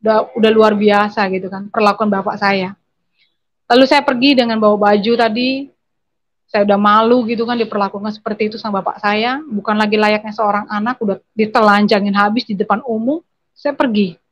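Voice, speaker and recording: A woman's voice: medium pitch, steady tone, brisk. A woman giving an earnest personal testimony over a video call, speaking straight to her listeners. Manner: earnest, addresses listeners as brothers and sisters.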